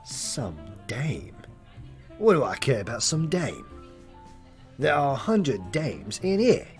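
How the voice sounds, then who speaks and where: A man voicing a gruff male bartender who trades information in an audio drama, haggling and grumbling. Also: mid-range voice, wildly swooping pitch, slow, soft background music, heavily acted. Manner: grumbling, haggling, tough-talking. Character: gruff male bartender, cagey info broker.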